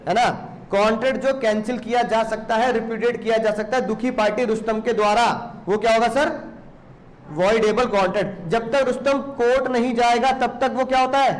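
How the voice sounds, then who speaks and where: A man's voice: very high-pitched, a little hiss or hum. A man teaching a law class, teasing and scolding students with lots of rhetorical questions. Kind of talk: classroom lecture.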